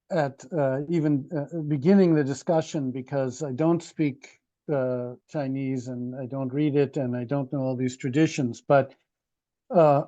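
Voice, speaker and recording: A man asking a long, thoughtful question at a seminar, halting often with ums and uhs. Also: mid-range voice, mellow. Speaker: audience member asking a question. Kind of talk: hesitant spoken question at a seminar. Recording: dull lo-fi room recording.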